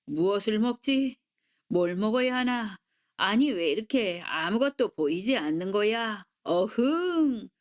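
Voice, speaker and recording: A woman voicing a hungry, blustering tiger that is easily startled, growling slowly in a bedtime story. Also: medium pitch, lively intonation, natural voice. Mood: hungry grumbling. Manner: slow storybook growling, roars "eoheung".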